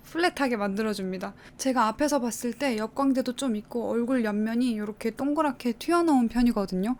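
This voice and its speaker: A woman's voice: on the high side, a little mellow. A woman beauty vlogger giving a casual make-up tutorial in a polite, explanatory, step-by-step manner.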